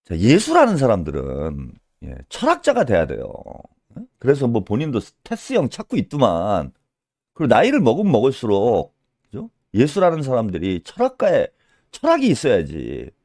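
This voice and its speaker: A man's voice: medium pitch, wildly swooping pitch, normal speed, a little mellow, no room sound, studio quality. A man doing solo political commentary in a scolding tone, firing rhetorical questions and tagging them with a pushy "eh?".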